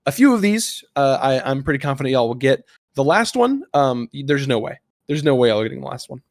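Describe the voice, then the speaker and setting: A man's voice: medium pitch, sing-song, fast talker, dry recording, studio quality. A man hosting a casual gaming podcast, explaining a quiz in an informal, conversational way. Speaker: podcast host.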